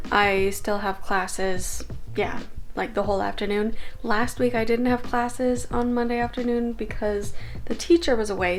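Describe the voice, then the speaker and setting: A young woman from Canada, vlogging casually at home with lots of "like" fillers. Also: on the high side. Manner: chatty, filler-heavy with many "like"s. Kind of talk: casual day-in-the-life vlog.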